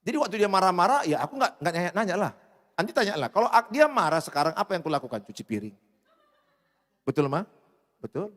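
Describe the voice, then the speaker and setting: A man preaching a sermon as pastor, speaking in a humorous, animated way. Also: high voice, rapid-fire. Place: church hall. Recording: reverberant church hall.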